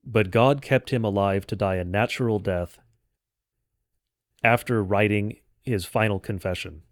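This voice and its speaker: A man delivering an explanatory history lecture in a measured, didactic way with formal phrasing. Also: on the low side, dry recording, clean studio sound. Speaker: host of a church history podcast. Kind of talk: explanatory lecture, semi-scripted narration.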